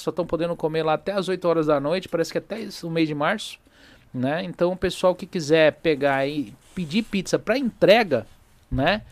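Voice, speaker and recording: A man's voice: a little high, no echo. A man hosting a podcast in a small studio, chatty and jokey, tagging his lines with little questions. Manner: chatty, jokey, fills with "né?" and "tá entendendo?". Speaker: podcast host. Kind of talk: casual podcast chat with sponsor reads.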